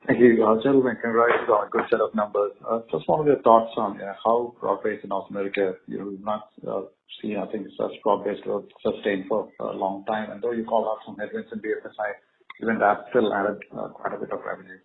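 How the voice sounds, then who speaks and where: Man, financial analyst, low creaky voice, hesitant rambling questions, earnings call, phone line with slight noise. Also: fairly even intonation, brisk.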